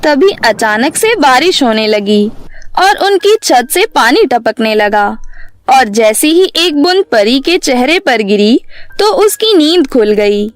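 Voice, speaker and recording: A woman's voice: sits high, dry recording. A woman narrating a scripted children's story as the storyteller.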